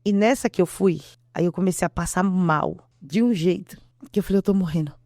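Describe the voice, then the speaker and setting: Uma mulher com sotaque brasileiro dá um testemunho de fé emocionado numa entrevista, repetindo frases e encenando falas. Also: female voice, on the low side, normal speed, a little mellow, no echo, studio quality. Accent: Brazilian Portuguese. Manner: earnest, repeats herself, acts out quotes. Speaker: interview guest. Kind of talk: emotional testimony.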